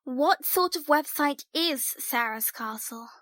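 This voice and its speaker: A woman's voice: high-pitched, expressive, slow, fairly bright tone, no echo, exaggerated voice. A woman playing a sceptical, analytical young adventurer in an audio drama, questioning and reasoning things out. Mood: puzzled.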